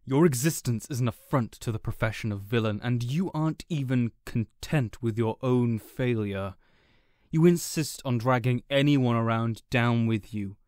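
A man playing a smug, contemptuous supervillain in an audio roleplay, speaking in a deliberate, condescending way. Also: medium pitch, darkish tone, no room sound, studio quality, natural voice. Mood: scornful. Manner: deliberate, condescending, theatrical monologuing. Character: smug, contemptuous male supervillain gloating over a beaten rival. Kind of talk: audio roleplay villain acting.

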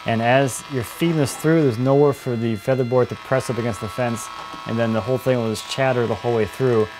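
A young man hosting a casual weekly woodworking update from his home shop, relaxed and laughing often between points. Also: mid-range voice, a little fast, background noise. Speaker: woodworking video host.

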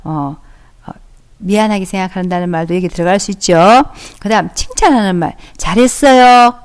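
A woman's voice: lowish voice, brisk. A woman teaching an audio-only class to young children, talking them through with encouraging questions and acting out their lines. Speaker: elementary school teacher. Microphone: close microphone, audio only.

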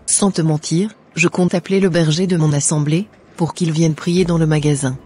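A man voicing an earnest, forgiving young Christian woman in a cartoon, with measured, formal delivery. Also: a little high, steady tone, darkish tone, a little hiss or hum, close to an everyday voice. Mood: earnest, polite. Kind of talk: scripted cartoon dialogue. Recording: music under the voice.

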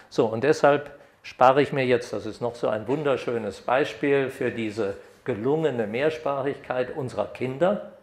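Older man lecturing in an echoey hall. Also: mid-range voice. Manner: lively, animated when reading examples aloud. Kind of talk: academic lecture. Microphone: podium microphone.

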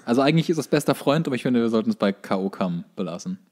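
A man's voice: medium pitch, lively intonation, racing, darkish tone. A man, co-hosting a comedy podcast with wry, opinionated banter and wordplay. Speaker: podcast co-host. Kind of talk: casual comic banter.

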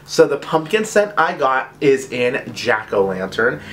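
A man talks through a casual product review for his vlog. His voice sits at an ordinary middle pitch. He is chatty and gushing, and he keeps slipping in quick asides. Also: big pitch swings, a bit bright. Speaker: vlog host reviewing body care products.

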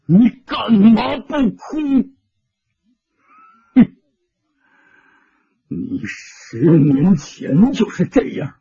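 A man voicing a grief-crazed older male hermit who rants in a drawn-out, raspy way. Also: high voice, sing-song, dark tone, muffled recording, pitched above the performer's own voice, exaggerated voice. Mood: raving.

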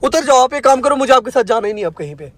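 Young male vlogger, very high voice, exasperated scolder, car interior. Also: animated, rapid-fire. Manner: exasperated scolding, repeating himself. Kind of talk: casual vlog chat. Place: inside a car.

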